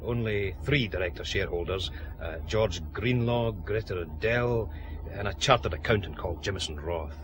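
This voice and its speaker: An actor with a Scottish accent playing a laconic, wry detective sidekick. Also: male voice, lowish voice, normal speed, noisy background, natural voice. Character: dry, grumbling male Scottish detective sidekick. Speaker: detective inspector.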